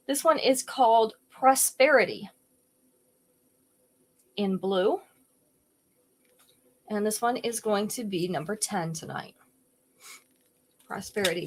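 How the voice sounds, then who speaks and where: Speaking at a medium pitch, a woman runs a live-stream jewelry sale. She chats casually, greeting viewers by name as she shows off each piece.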